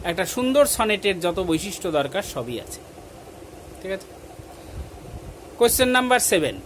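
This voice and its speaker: A male teacher giving an exam-prep literature lesson, slowly dictating answers in English and explaining them in Bengali. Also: high voice, fairly bright tone, slight background noise.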